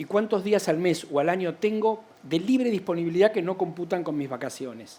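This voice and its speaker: A man's voice with lively intonation and a dark, mellow tone. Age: 60s. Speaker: real estate executive. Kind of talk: panel discussion.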